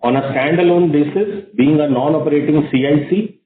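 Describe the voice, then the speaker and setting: A man's voice: fairly high pitch, fairly quick. A man with an Indian accent formally and methodically presenting financial results as a company executive. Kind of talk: scripted investor presentation. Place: conference call. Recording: roomy, narrow phone conference line.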